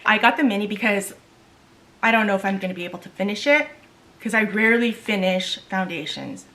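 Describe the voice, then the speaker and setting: A middle-aged woman talks her way through a makeup test in a relaxed, chatty vlog. Korean is her first language, and she often trails off hunting for a word before starting again. Her voice sits at an everyday middle pitch. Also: fairly quick, slight background noise. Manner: chatty, loses words and restarts. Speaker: beauty vlogger. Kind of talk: casual makeup tutorial chat.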